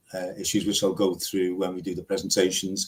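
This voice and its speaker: A man with a Liverpool accent speaks with a fairly low pitch. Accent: Liverpool (Scouse). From northern England, Liverpool. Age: 60s. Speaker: carnivore diet coach. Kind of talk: live stream panel chat.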